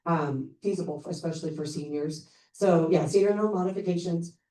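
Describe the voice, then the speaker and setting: A woman's voice: on the low side, brisk, dark tone. A woman presenting a charity's services at a community meeting, upbeat and informal with many fillers. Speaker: charity program representative. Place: public meeting room. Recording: roomy distant meeting-room mic.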